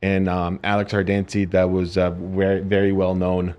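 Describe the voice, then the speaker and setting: A man with a Finnish accent, a fitness trainer and podcast guest, telling a story haltingly with many pauses. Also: sits low, monotone, a little mellow, clear, resonant tone, muffled recording. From Finland. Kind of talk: casual interview chat.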